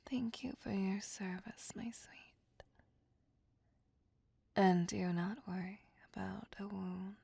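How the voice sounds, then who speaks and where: A woman voicing a possessive female vampire in a whispered roleplay, speaking slowly and formally in a breathy, intimate hush. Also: medium pitch, steady tone, no room sound, exaggerated voice. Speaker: voice actor.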